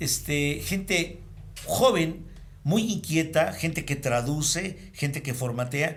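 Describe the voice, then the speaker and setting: Amid audible room echo, a man with a fairly high pitch and ordinary pitch variation speaks at a very slow pace. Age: 70s. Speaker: AA veteran sponsor. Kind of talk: casual chat.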